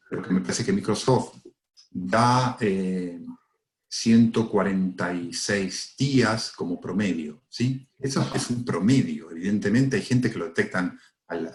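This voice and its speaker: A man's voice: fairly low pitch, echoey room. A man from Argentina with an Argentine Spanish accent, answering audience questions as a cybersecurity speaker in a webinar, with many fillers and tag questions.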